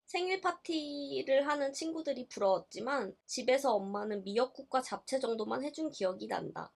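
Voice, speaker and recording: A woman's voice: high-pitched, fairly bright tone. A young woman vlogging, reading a book aloud in casual chat and reacting expressively with gasps and laughs. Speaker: YouTuber.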